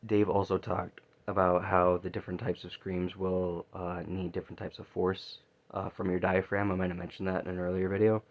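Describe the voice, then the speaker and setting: A man with a low voice and plenty of vocal fry chats casually to a video diary. He rambles haltingly, repeating words and trailing off. The sound is somewhat dull and lo-fi. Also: level tone. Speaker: vocal student keeping a practice diary. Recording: dull lo-fi recording.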